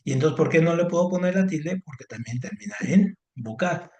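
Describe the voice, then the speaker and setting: A man tutoring a student, explaining step by step, repeating words and filling pauses with little affirmations. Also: fairly high pitch, lively intonation, darkish tone. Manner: patient, explains step by step, repeats words, frequent "ajá" and "ujú". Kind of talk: online Spanish grammar lesson. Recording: roomy echo.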